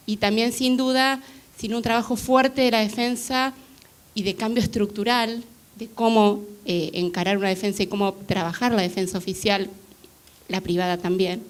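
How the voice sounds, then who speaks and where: A woman giving a comment from the audience at a law panel, hesitant and full of filler sounds. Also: medium pitch. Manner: hesitant, many filler "eh"s and restarts. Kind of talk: public Q&A comment. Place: university lecture hall.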